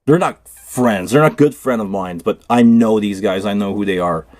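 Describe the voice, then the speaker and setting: This Quebec-accented host, a native French speaker, chats loosely on a relaxed tech livestream while putting together a cable, musing aloud as he goes. He speaks at a normal speed in a fairly low, slightly mellow voice, recorded dry.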